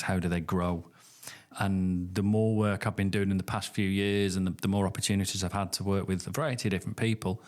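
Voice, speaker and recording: Thoughtful low-voiced northern English man. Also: darkish tone. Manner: thoughtful, measured, with restarts. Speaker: guest academic. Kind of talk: podcast interview.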